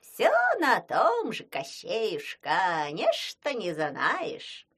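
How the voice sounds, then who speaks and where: A woman voicing a boastful, fawning old witch with a husky, wailing voice. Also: lowish voice, wildly swooping pitch, drawn-out words, a bit bright, full character voice. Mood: cackling. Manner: wailing, sing-song exclamations.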